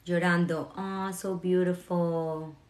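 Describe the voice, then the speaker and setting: A woman's voice: lowish voice, flat delivery, slow, a little mellow. A woman leading a guided meditation and chatting live with viewers in an encouraging, reassuring way. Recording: roomy echo.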